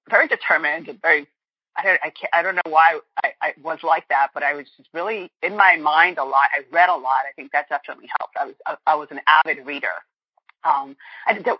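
Woman, forties, from boston, earnest, reflective, husky, dull dry lo-fi sound. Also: sits low, no echo. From Boston, United States. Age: 40s. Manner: earnest, reflective, thinking aloud. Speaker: guest author. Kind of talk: conversational interview. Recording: muffled, dry lo-fi line.

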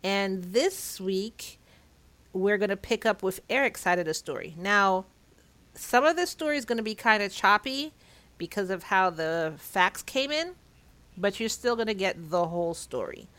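A woman's voice: medium pitch, lively intonation, unhurried, fairly bright tone. A woman hosting a podcast, chatting casually and telling true-crime stories, talking with slightly clenched teeth because of a sore cheek. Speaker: podcast host.

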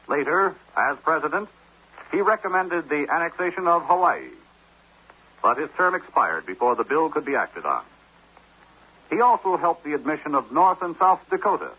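A male announcer reading a scripted history quiz spot in a lively, quizzing manner. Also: a little high, breathy edge. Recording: dull old radio broadcast.

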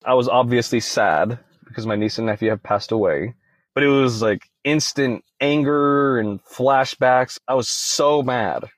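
Young male guest, casual storyteller with plenty of "you know"s, mid-pitched, dead-dry recording. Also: measured pace, no room sound. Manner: conversational, leans on "you know" fillers. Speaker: podcast guest.

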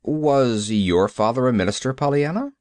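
A troubled, stern minister with a deep voice and a grave, preaching cadence, as a man drops his voice to play him. His lines swing between heavy, slow stresses and sudden lifts. The sound is dry and close, like a quiet audiobook read. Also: lively intonation, no echo, lightly acted. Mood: weary. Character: troubled, stern middle-aged male minister.

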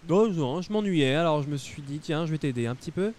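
Man playing a high-pitched mischievous little boy. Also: lively intonation, fast, a little mellow, close to an everyday voice. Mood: gleefully mischievous. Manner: feigned innocence, childish teasing. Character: mischievous little boy, gleefully spiteful brother. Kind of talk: improvised audio comedy sketch.

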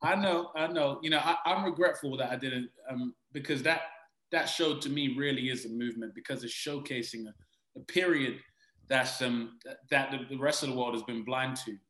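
A British man speaks as an interview guest, earnest and reflective, often pausing to restart a thought. His voice is bright and forward. The room around him is noticeably echoey. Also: medium pitch. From Britain. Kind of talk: conversational interview answers.

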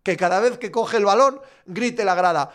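A man with an Asturian accent, a sports journalist casually answering viewer questions, animated and swearing freely. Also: sits high, moderate pace. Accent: Asturian Spanish. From Asturias, Spain. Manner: animated, swears, acts out shouting fans. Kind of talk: casual live chat.

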